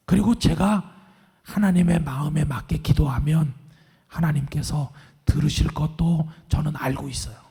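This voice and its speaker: Middle-aged man, pastor, hoarse and breathy voice, gravelly, dark tone, calm earnest sermon. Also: on the high side. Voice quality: raspy, breathy, half-whispered. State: hoarse, strained voice after vocal cord surgery. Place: large church sanctuary. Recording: long church hall reverb.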